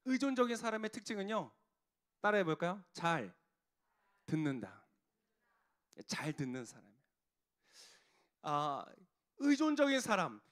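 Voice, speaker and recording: A man's voice: sits high, a bit bright. A male pastor preaching a sermon to a young congregation, often putting questions to them and answering them himself.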